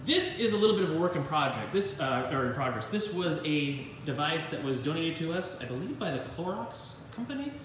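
A man's voice: on the high side, very animated, brisk, hardly any pauses, a bit bright, far from the mic, slight background noise. A man giving an informal walking tour of a university materials lab, talking in a rambling way with many fillers and dry self-deprecating asides. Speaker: university engineering instructor. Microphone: handheld phone camera while walking. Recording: very echoey room, voice off-mic.

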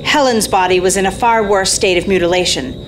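A woman's voice: medium pitch, brisk, noisy background. A woman on stage reading scripted narration for a radio play. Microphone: stand microphone. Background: music.

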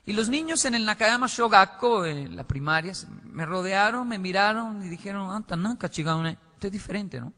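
A man's voice: high voice, animated, moderate pace, few pauses, bright, forceful tone. A man from Colombia giving a public lecture at a podium microphone in a large hall, telling stories and acting out dialogue. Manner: storytelling, acts out dialogue. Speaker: conference speaker. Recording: reverberant hall, played from a video.

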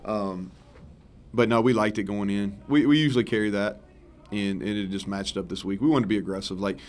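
A man's voice: on the low side, brisk. A man in his thirties, a head football coach, giving rambling, frank post-game answers at a press table full of microphones. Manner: rambling, self-correcting, relaxed and frank. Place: press conference room in front of a sponsor backdrop. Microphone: several table microphones in front of him.

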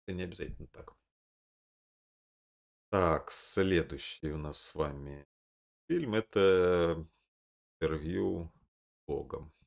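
A man in his thirties with a very low voice and a gravelly, creaky edge. He talks casually to a webcam from a room indoors, rambling on, often losing his thread and correcting himself. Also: takes it slowly, pauses often. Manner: rambling, with many fillers and self-corrections. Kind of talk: casual film recommendations to camera. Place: indoor room, seated at a desk.

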